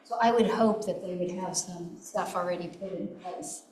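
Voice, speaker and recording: A woman's voice: fairly low pitch, normal speed, crowd noise. A woman committee member speaking tentatively on a video call meeting, hedging her points. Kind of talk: casual meeting discussion. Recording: echoey room.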